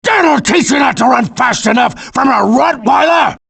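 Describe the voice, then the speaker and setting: A man's voice: very high-pitched, expressive, normal speed, creaky, a bit bright, breathy edge, full character voice. A man voicing a vicious, slobbering Rottweiler, bullying and threatening, in a cartoon game. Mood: menacing. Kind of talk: cartoon video game voice acting.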